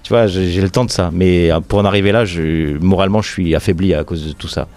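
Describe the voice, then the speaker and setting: A comedian from the French Riviera chatting in an interview, full of fillers and restarts and quick jokes. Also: male voice, low voice, steady tone, a little mellow. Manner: hesitant, many fillers and restarts, jokey. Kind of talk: casual interview chat.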